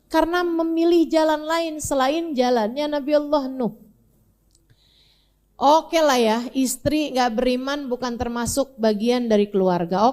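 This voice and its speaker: A woman's voice: high-pitched, a little mellow. A woman preacher telling a story in a sermon, acting out the dialogue and chanting scripture verses. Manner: dramatic, acts out dialogue with Quranic recitation. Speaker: Islamic preacher.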